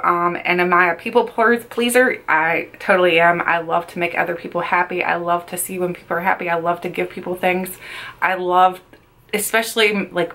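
Chatty woman vlogger, slightly low voice. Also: sharp tone. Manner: chatty, repeats words for emphasis. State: feels she is losing her voice. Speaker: beauty vlogger. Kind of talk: casual get-ready-with-me chat. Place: small bedroom makeup setup, indoors.

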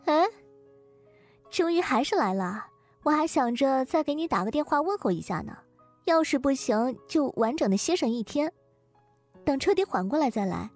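A woman voicing a pert but caring young female hospital colleague in an audio drama, with a brisk, teasing manner. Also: high-pitched, expressive, faint music behind.

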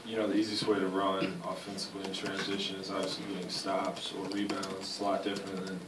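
Flat low-voiced young man, echoey press room. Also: fast. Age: young adult. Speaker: college basketball player. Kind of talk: postgame press conference answers. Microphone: table mic, far camera. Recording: echoey room, distant mic, noise.

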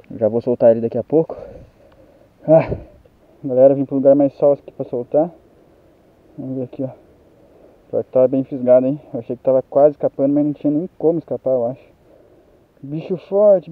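A young man with a Brazilian Portuguese accent, out of breath, talking excitedly to viewers as he lands a fish on a riverbank. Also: mid-range voice, no echo, narrow, tinny audio. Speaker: fishing vlogger. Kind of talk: excited outdoor fishing commentary. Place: outdoors on a riverbank. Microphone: handheld camera mic.

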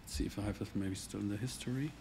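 A man's voice: fairly low pitch, rapid-fire, creaky, background noise. A man answering audience questions at a tech meetup, hesitant, with many restarts and hedges. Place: meetup venue, indoors, standing at a lectern.

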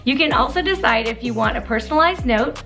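A woman's voice: fairly high pitch, lively intonation, quick pace, vocal fry, pushed and bright, faint music behind. A middle-aged woman co-hosting a casual vlog, talking to camera in an upbeat, bubbly way and laughing often. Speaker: co-host. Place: indoor home studio set.

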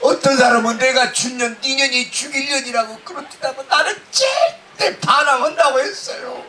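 A man doing loud, brash stage comedy outdoors, heckling the crowd through a handheld mic. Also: very high-pitched, animated, moderate pace. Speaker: pumba street performer. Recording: distant outdoor PA with noise.

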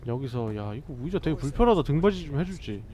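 Lively joking male game streamer. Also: fairly high pitch, fast talker. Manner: joking, bantering with game characters. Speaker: gaming streamer. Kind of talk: casual let's-play commentary.

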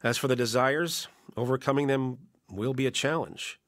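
An actor playing a gentle, encouraging Christian mentor in a radio drama, measured and reassuring. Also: male voice, mid-range voice, no echo, studio quality, close to an everyday voice.

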